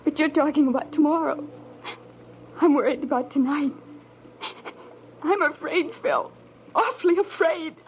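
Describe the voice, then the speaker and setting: High-voiced, anxious young Donna. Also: female voice, dull audio. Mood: anxious, pleading. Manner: pleading, earnest, halting. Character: anxious young woman, gentle and fearful. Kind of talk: 1940s radio drama acting. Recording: band-limited, lightly noisy old radio recording.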